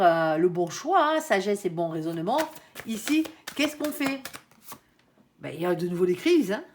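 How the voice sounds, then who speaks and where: A woman's voice: medium pitch, slight background noise. A woman giving a casual, chatty tarot reading, often tagging her sentences and speaking to her guardian angel. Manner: chatty, frequent tag "hein", addresses her angel. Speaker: tarot card reader.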